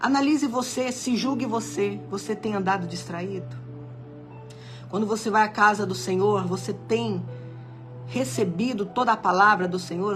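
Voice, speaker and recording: Music plays in the background as a woman talks at a moderate pace with long, frequent pauses. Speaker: preacher. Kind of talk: sermon.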